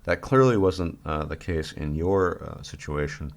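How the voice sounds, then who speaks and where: A man hosting an interview conversation, asking thoughtful questions and pausing to search for words. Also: rumbling low, gravelly. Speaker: host.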